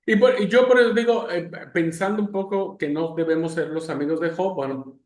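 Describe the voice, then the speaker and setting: A man teaching a Bible class, telling stories with sudden swings from loud to soft. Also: high voice, fairly quick. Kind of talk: class discussion. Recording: echoey room.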